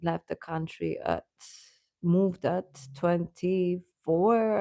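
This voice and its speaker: In a Romanian accent, the speech runs with fairly even intonation and a dry, close sound with no echo. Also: woman. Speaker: YouTuber, K-pop fan channel host. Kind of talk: live stream chat. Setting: home live stream. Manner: halting.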